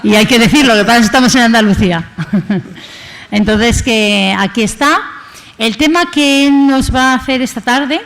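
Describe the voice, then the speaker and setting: A woman's voice: on the high side, moderate pace, fairly bright tone. Chatty woman introducing a guest speaker. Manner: chatty, rambling, tag questions. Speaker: association host introducing the speaker. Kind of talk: conference introduction. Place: conference hall.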